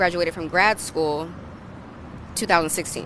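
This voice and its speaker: Noticeable background noise sits under this recording. A woman with a fairly low pitch speaks with ordinary pitch variation. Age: 30s. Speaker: tech career content creator. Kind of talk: livestream Q&A. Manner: casual, conversational.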